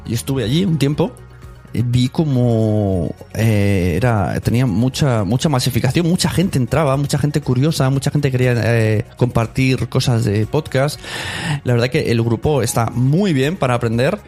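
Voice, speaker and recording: Guy hosting a podcast, mid voice, laid-back chatty tone, faint music behind. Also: medium pitch. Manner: relaxed, conversational, anecdotal. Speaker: podcast host. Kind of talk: casual podcast news segment.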